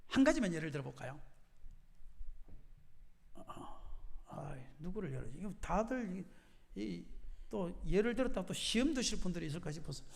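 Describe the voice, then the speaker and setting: Gravelly-voiced pastor preaching in a big echoing hall. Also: male voice, high voice, moderate pace, pauses often. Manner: animated, jokes, quizzes the congregation with questions. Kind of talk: sermon at a night prayer meeting. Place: church sanctuary. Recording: long hall reverb of a church.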